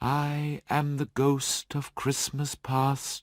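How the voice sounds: A man in a soft-spoken, put-on character voice, fairly high in pitch, flat and monotone, at a very slow pace.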